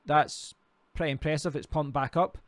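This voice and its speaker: A man's voice: fairly high pitch, fairly even intonation, moderate pace, dry recording, clean studio sound. A Scottish man hosting a casual live stream, rambling and talking to himself while clicking through sites. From Scotland. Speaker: crypto livestream host.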